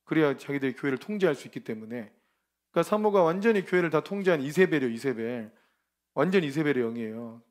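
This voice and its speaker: At a ministry training, a man delivers an energetic, casual sermon, speaking emphatically and colloquially and frequently laughing. His pitch is fairly high and he talks fast.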